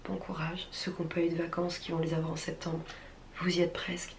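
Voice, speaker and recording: A French woman chatting casually in a vlog, her voice husky with a smoker's rasp. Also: fairly low pitch, level tone, brisk, echoey room, a little hiss or hum. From France, from Rouen. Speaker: vlogger.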